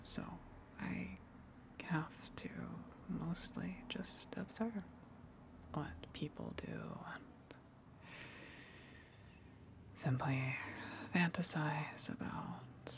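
A lonely female tentacle monster from the sea, acted by a woman speaks in an intimate ASMR roleplay. The voice is a breathy whisper with a creaky edge. The delivery is very slow and halting, gentle and earnest, like a careful confession. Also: low voice, huge pitch swings, heavily acted. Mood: wistful, guarded.

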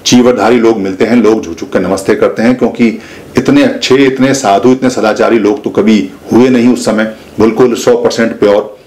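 A man's voice: lowish voice, fairly even intonation, fairly quick, a little mellow. A man narrating a moral folk tale in a casual, explanatory way, repeating himself and digressing into word meanings. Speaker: storyteller.

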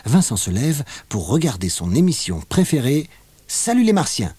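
A man narrating a children's audiobook in an expressive, lively storytelling manner. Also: medium pitch, moderate pace, background noise.

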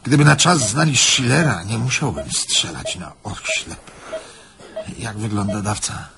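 A self-pitying, anxious male jeweller in a theatrical radio drama. His low voice swings widely as he frets and rambles, over a clearly noisy, clicky track. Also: lively intonation, measured pace. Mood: aggrieved, tearful. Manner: fretful, rambling, self-justifying. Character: anxious self-pitying German jeweller awaiting heart transplant. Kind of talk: theatrical radio play acting.

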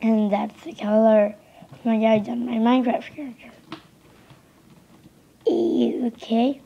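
A young woman casually commenting on a game she is playing, a little hoarse from being sick, rambling and easily distracted. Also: fairly high pitch, level tone, takes it slowly, mellow. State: losing voice, sick. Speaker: gameplay commentator. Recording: slightly dull lo-fi home recording.

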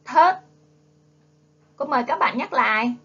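A woman's voice: fairly high pitch, expressive, takes it slowly, a bit bright. A woman teaching young children to read, in a coaxing phonics lesson that urges them to repeat after her, with a Southern Vietnamese accent. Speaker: primary school teacher. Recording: dull lo-fi classroom video audio.

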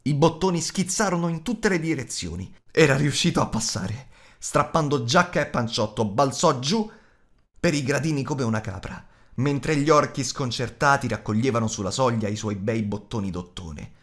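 A man narrating an audiobook in an expressive, measured storytelling manner. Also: medium pitch.

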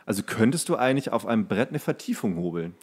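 A man chatting casually as a podcast host, telling anecdotes in a halting way and often correcting himself. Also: fairly low pitch, very animated, a little mellow, breathy edge. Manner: halting, self-correcting storytelling. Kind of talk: casual chat, rambling anecdote.

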